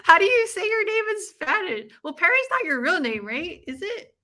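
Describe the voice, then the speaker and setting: Her voice sits extremely high and swings widely in pitch, delivered at normal speed with a pushed, bright quality. This American woman is hosting a livestream watch-along, tossing out effusive, slangy banter to viewers and calling the fight.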